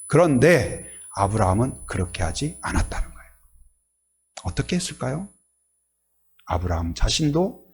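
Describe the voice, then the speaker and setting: A male pastor preaching a sermon, animated, often putting questions to the congregation. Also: high-pitched, slight background noise.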